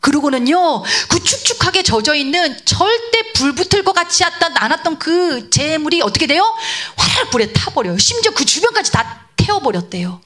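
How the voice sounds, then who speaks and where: A woman preaching to children in an animated storytelling sermon, asking the audience questions and answering them herself. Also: high-pitched, normal speed, hardly any pauses.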